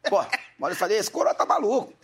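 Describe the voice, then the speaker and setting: A man's voice: sits high, big pitch swings, quick pace, husky. A man telling a playful story in casual chat, mimicking percussion sounds and the voices of others. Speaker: guest, musician.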